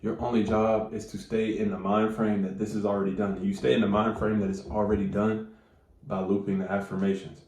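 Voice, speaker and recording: A man's voice: lowish voice, little pitch movement, a little fast, darkish tone, echoey room. A man with a stuffy nose giving casual, slangy, profane advice straight to his viewers. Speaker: manifestation coach.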